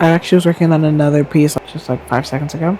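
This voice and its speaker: A soft-spoken woman mumbles at a very fast pace with a very deep, low pitch. Noticeable background noise sits behind her. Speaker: crochet YouTuber. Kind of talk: casual crochet tutorial vlog. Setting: in bed at home. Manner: mumbling.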